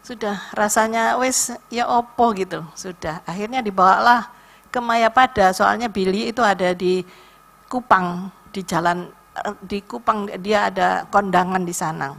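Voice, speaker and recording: An older woman with an East Javanese accent, giving a lively casual testimony at a church prayer visit. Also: medium pitch, a little slow, vocal fry. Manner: lively storytelling, acts out voices.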